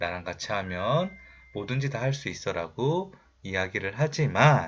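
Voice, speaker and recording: Fairly slow speech from a man at medium pitch, full of very wide pitch swings. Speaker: math academy director and teacher. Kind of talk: educational talk to camera.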